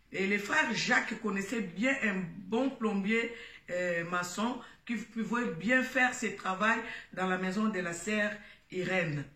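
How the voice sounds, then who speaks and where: Slow, bright-voiced woman host in an echoey room. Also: mid-range voice. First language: Lingala. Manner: hesitant, with frequent fillers and restarts. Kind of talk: addressing listeners as a churchgoing sister, retelling a story. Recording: roomy echo, distant mic.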